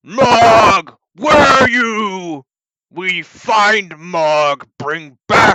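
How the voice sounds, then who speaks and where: A man shouts in a put-on character voice, raised, projected and guttural. His pitch is high and his pace very slow. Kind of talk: broken, simple speech. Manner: shouting, echoing.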